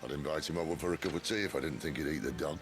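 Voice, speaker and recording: An actor playing a roguish, wry, middle-aged outlaw in a video game, with a British accent and a gravelly, folksy delivery. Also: male voice, extremely low pitch, music in the background. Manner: wry, folksy, unhurried banter. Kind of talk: cinematic video game acting.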